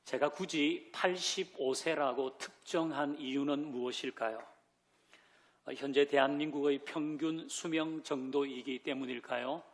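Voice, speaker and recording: A man's voice: a little high, fairly even intonation, unhurried. A man preaching a Sunday sermon as pastor, who asks the congregation questions, leads them in reading scripture and drops in light joking asides. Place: church sanctuary.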